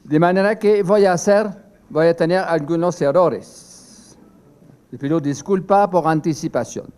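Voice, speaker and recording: Older man, native French speaker, priest's seminar talk, fairly high voice, halting delivery. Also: a little mellow, clear, resonant tone. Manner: slow and halting, with many fillers and restarts. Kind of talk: prepared talk read from a text.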